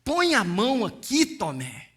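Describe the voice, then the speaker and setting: A man voicing a gentle male teacher who softly coaxes a doubting friend to come closer. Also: very high voice, wildly swooping pitch, measured pace, husky, heavily acted. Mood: tender. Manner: gentle, coaxing. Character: gentle risen male teacher inviting touch.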